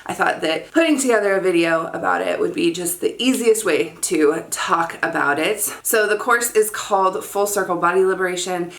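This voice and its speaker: Low gravelly woman vlogging. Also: a bit bright, roomy sound. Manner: chatty, informal, frequent "like" and "um". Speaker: vlogger and course creator. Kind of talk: casual talking-to-camera vlog.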